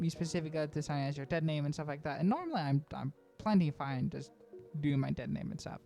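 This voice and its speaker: A woman's voice: sits low, mellow. A trans woman vlogger rambling through a casual voice-over, often tagging "right?" and laughing between thoughts. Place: home voice-over recording.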